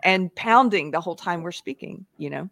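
A woman hosts a live online talk show, animatedly retelling events in casual chat and laughing often. Her voice sits on the low side with lively intonation and a creaky, fairly bright tone, at normal speed with no echo.

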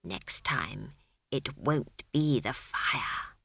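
A bossy old witch , put on by a woman reading aloud, scolds in clipped, imperious bursts. Her lowish voice swoops up and down with bright, cutting force. The sound is close and dry, like a storybook reading. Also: very animated, moderate pace, dry recording, heavily acted. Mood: menacing. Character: stern old witch, sharp-tongued and commanding. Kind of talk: audiobook character voice.

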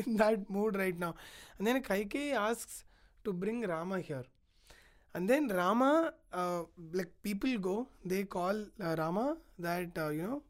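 Animated woman retelling an epic. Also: a little high. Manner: animated, many "like" fillers, emotional retelling. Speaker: podcast storyteller. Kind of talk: casual storytelling chat.

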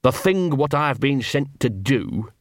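A man's voice: medium pitch, sing-song, a little slow, no room sound, clean studio sound. A man voicing a scruffy, nervous talking male dog who rambles on in broken grammar. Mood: rambling, nervous. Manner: rambling, ungrammatical, wheedling.

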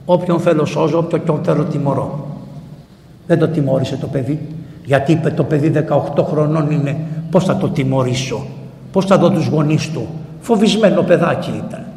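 A man, a priest, giving a sermon in a church and retelling a story in lively, colloquial language. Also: fairly high pitch. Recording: echoey church with long reverb.

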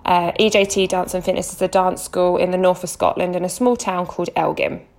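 Gravelly-voiced English woman from Essex. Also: fairly low pitch, little pitch movement, a little fast, darkish tone. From Essex, England. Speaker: podcast host. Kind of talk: scripted solo podcast intro.

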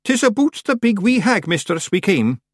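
Rob Anybody, a woman's high, wily Scottish fairy man. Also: sing-song, normal speed, dry recording, clean studio sound. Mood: earnest, respectful. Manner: careful, wheedling, respectful. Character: tiny cheerful wily male fairy clan leader.

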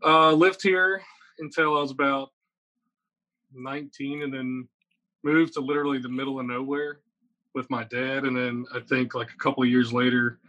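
A man in his thirties from Virginia, talking as a guest in a casual interview, rambling and energetic with lots of fillers. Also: medium pitch, moderate pace, rough recording. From Virginia, USA. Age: 30s. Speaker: guest, metal guitarist.

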